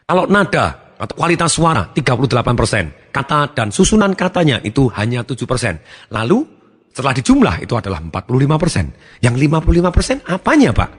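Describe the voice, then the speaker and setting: A man's voice: medium pitch, very animated, quick pace, breathy edge. A man giving a motivational seminar talk, speaking emphatically and acting out different tones of voice to make his points. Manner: emphatic, acts out tones of voice to demonstrate. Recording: long hall reverb, faint music behind.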